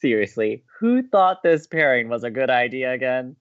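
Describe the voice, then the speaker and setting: A man's voice: medium pitch, sing-song, moderate pace, clear, resonant tone, dull audio, close to an everyday voice. A man playing an upbeat, teasing college radio co-host in an audio romantic comedy, with a playful, breezy manner.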